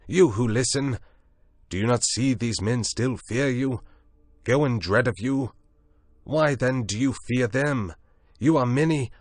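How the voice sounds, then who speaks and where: A desperate young castaway shouts and pleads, refusing to back down, as a male reader puts him on. The voice is pushed up from a deep, slow base and carries loud and close in a dry space. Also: animated, no echo. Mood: shouting.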